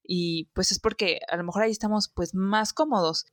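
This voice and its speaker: A woman's voice: mid-range voice, steady tone, moderate pace, dry recording, clean studio sound. A Mexican woman from Veracruz hosting a podcast, chatting casually with plenty of fillers. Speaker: podcast host. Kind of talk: casual chat.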